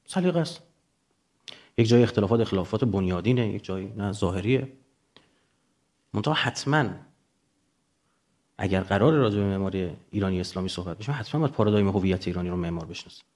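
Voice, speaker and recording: A man's voice: on the low side, expressive, long pauses, a little mellow. Iranian man giving an emphatic informal lecture. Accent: Iranian Persian. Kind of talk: informal lecture with examples and rhetorical questions.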